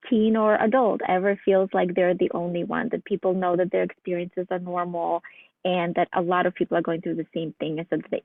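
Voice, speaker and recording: A woman's voice: lowish voice, vocal fry, no room sound. A woman from Ukraine, a psychologist guest, answering interview questions in an earnest, reflective way with many fillers, over a tinny phone-like line.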